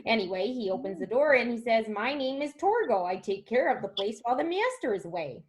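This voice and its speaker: A woman's voice: fairly high pitch, big pitch swings, brisk. A woman playing a gossipy, easily rattled neighbor lady with a folksy Minnesotan accent in a comedy sketch reading.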